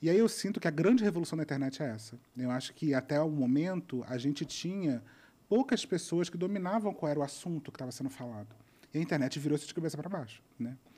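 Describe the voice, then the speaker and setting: Very deep and low in pitch, a woman's dark, mellow voice races at a very fast pace with lively intonation. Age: 30s. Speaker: digital content creator and diversity consultant; digital content creator. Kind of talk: interview. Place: studio. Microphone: studio mic.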